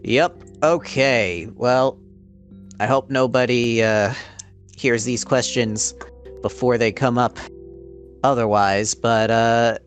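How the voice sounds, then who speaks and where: A man talking casually and haltingly as a player in a tabletop role-playing game. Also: medium pitch, steady tone, soft background music. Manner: hesitant, halting.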